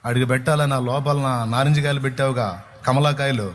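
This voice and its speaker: A man voicing a tall old man with a staff, speaking gently and reassuringly. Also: medium pitch, steady tone, a little fast, slight background noise, lightly acted. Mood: calm.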